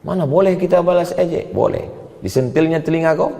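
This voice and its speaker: A man preaching a sermon with questions and answers. His voice swings from loud and high to low and quiet. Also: a little fast, creaky. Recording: echoey hall with long reverb.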